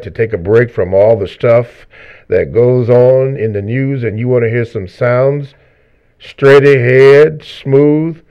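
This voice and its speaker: A man co-hosting a live talk radio show, reading promos and introducing callers in measured announcer phrasing. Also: fairly low pitch, a little mellow. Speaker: radio co-host. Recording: slightly dull lo-fi radio audio.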